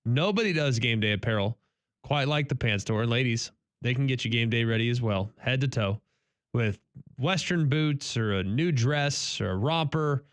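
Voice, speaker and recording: A man co-hosts a morning sports radio show in an easy, self-deprecating way, reading ad copy and then poking fun at it. His voice is mid-pitched and sits right on a dry studio mic. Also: expressive, normal speed, no room sound. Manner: self-deprecating, laughing banter. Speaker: radio co-host. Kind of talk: sports radio talk and live ad read. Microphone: studio microphone.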